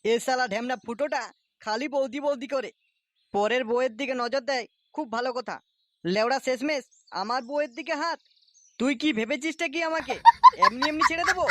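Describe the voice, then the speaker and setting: Man doing a high-pitched, hot-headed Bengali cartoon husband. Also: fairly quick, fairly bright tone, dry recording. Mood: bitter, accusing. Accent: West Bengal Bengali. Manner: blustering, coarse, threatening. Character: hot-headed, jealous, foul-mouthed village husband. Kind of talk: comic cartoon voice acting.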